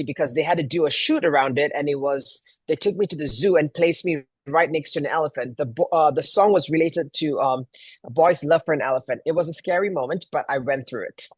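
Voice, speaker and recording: A man's voice: on the high side, breathy edge, dry recording. A middle-aged man from Malaysia answering interview questions as a guest, telling personal stories in a conversational way. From Kuala Lumpur, Malaysia. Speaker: guest, event planner.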